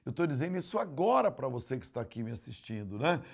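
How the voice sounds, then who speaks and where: An older Brazilian pastor delivers a sermon, telling stories with acted-out quotes and swinging from loud outbursts to hushed asides. His medium-pitched male voice is gravelly and sing-song, and he talks fast.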